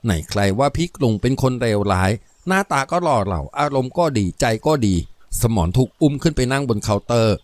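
Expressive male audiobook narrator. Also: medium pitch, a little fast, few pauses, no echo. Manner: expressive storytelling. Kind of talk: audiobook novel reading.

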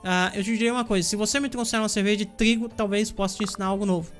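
A man's voice: sits high, racing, faint music behind, close to an everyday voice. A man reading as an old brewer with a Brazilian accent. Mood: curious. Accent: Brazilian Portuguese. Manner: reads game dialogue aloud in a flat voice. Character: elderly male brewer, curious and demanding.

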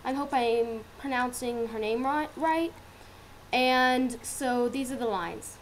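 A woman's voice: a little high, takes it slowly, a little hiss or hum. A woman chatting casually and hesitantly to online viewers as an amateur voice actor, on a basic computer microphone. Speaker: amateur voice actor recording an audition.

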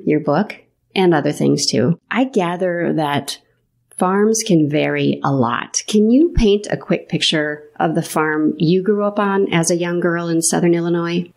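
A woman hosting an interview podcast, reading a bright scripted intro and then chatting with enthusiasm. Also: on the low side. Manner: upbeat, warmly enthusiastic. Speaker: podcast host.

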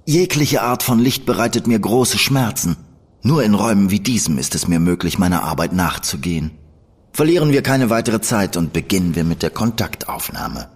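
A man playing a sinister male spirit medium in a radio play, speaking smoothly and soothingly with a menacing edge. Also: lowish voice, lively intonation, normal speed. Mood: cold.

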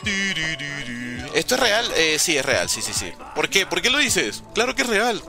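Venezuelan man, lively streamer chat. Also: on the high side, moderate pace, faint music behind. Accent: Venezuelan Spanish. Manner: casual, chatty, hums and sings little sounds while playing. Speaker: gaming streamer. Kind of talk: live gameplay commentary reading chat.

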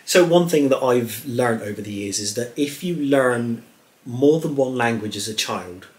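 A man's voice: medium pitch, lively intonation, normal speed. A man in his thirties with an English accent, casually chatting as co-host of a family vlog from his living room sofa, filmed by a camera a few feet away. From England. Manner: chatty, explains things with gestures, laughs lightly. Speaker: channel co-host. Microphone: fixed camera a few feet away.

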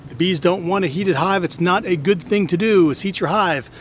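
A middle-aged hobbyist beekeeper chats to the camera in a fairly high voice, exclaiming and restarting his sentences. He is recorded outdoors from a camera a few steps away, with a faint hum of insects and yard noise behind him. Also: normal speed. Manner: chatty, exclaims, restarts and repeats himself. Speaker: hobbyist beekeeper and channel host. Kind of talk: casual how-to vlog. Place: outdoors in a wooded backyard apiary. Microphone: camera on a tripod at a distance.

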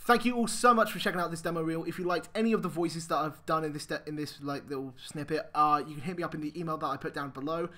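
A man's voice: fairly high pitch, fast talker, few pauses, sharp tone. A man, an amateur voice actor, talking casually and animatedly in an improvised comic demo reel.

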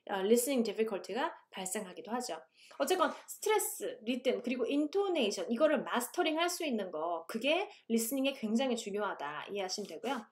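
A woman lecturer explaining English teaching, switching between languages and reading English passages aloud slowly. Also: a little high. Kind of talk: recorded online lecture.

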